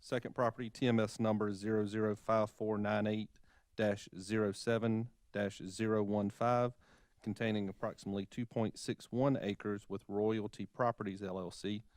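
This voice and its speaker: A man's voice: fairly low pitch, little pitch movement, moderate pace, a little mellow, no echo. A man on a school board reading out a formal motion with long parcel numbers, careful and exact. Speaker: board member.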